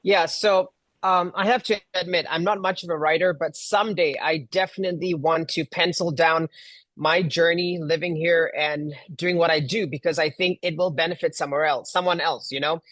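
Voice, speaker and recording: A man's voice: fairly high pitch, steady tone, normal speed, fairly bright tone, no room sound. Middle-aged man from Malaysia, event planner guest, chatty, ums and restarts, dry close sound. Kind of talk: casual interview talk.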